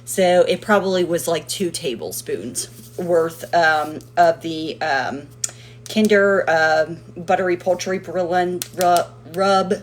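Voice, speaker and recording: A woman's voice: fairly low pitch, slow pace, slight background noise. A woman hosting a casual home cooking video, chatty and rambling, with playful sing-song nonsense rhymes. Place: home kitchen.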